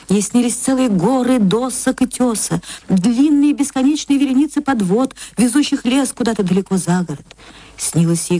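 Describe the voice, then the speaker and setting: Woman narrator for a classic radio play, slightly high pitch, dry and close, emotional and sweeping. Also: darkish tone, no echo.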